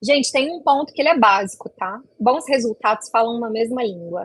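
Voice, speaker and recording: Speaking fairly slowly in a strong Minas Gerais accent, a woman sounds somewhat breathy, with ordinary pitch variation. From Brazil, Minas Gerais. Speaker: career specialist. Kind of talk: live webinar talk. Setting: live stream.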